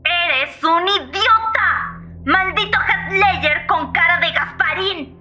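An actress playing a feisty, fearless, irritated 911 caller in a horror audio story, brash and mocking, heard through a phone filter. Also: female voice, very high-pitched, slow, over music. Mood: furious. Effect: phone-line filter. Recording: thin band-limited phone sound.

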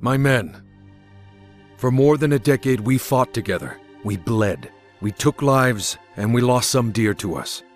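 An actor playing a battle-scarred, grim ship captain in a game cutscene, speaking in a solemn, deliberate, declamatory way. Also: male voice, mid-range voice, lightly acted. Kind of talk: video game cutscene acting. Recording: music behind the voice.

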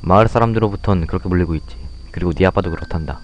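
A man's voice: deep voice, racing, highs cut off, faint music behind, pitched below the performer's own voice, close to an everyday voice. A man voicing a stern older relative who speaks in solemn warnings over a game.

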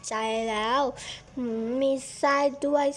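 A woman's voice: takes it slowly, slight background noise. A woman chatting playfully through a game role-play, hopping between little characters.

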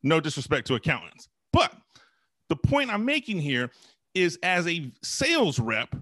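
An American man in his forties speaks as a sales coach addressing the camera. His voice sits slightly high and moves up and down a lot as he stresses points deliberately and repeats phrases. It is recorded close on a desk mic, with a dry sound. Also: huge pitch swings, bright, forceful tone, dry recording. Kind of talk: direct-to-camera sales talk, motivational. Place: small home office, indoors. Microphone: close desk microphone.

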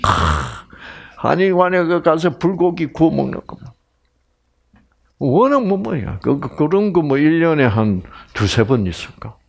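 An older man from Korea lecturing on health in a lively, rambling way. His gravelly, husky voice swings widely in pitch. He talks slowly and keeps checking in with his listeners. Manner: chatty, animated, frequent fillers and asides to audience. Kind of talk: health lecture with personal stories.

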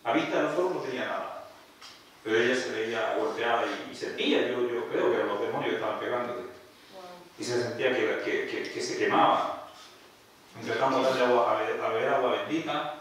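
A man, a priest, telling a story in a sermon at a retreat, animated and acting out what people said. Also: medium pitch, fairly quick, a little hiss or hum. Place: retreat hall. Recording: echoey room, far from mic.

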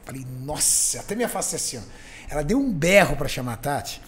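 Speaking fast in a voice on the high side, a man hosting a podcast tells a story in relaxed conversation. He's animated, acting out the voices of each person in his tale.

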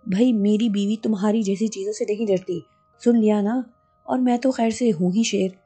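A woman's voice: mid-range voice, fairly even intonation, normal speed, dark tone, breathy edge, soft background music, close to an everyday voice. Woman voicing a young husband bluffing bravado. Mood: teasing.

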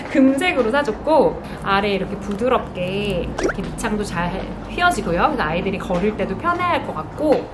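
A woman in her thirties with a fairly high, very lively voice, chatting to camera in a casual show-and-tell style. She is expressive and drops in cute exclamations. There is clear noise in the room behind her. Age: 30s. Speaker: vlogger, host. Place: bright small indoor room with sofa.

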